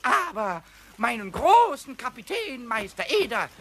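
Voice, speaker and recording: A man voicing a small, cheeky, hot-tempered kobold in a children's radio play, squeaky and scratchy, repeating words in excited bursts. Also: a little slow, exaggerated voice. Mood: gleefully spiteful.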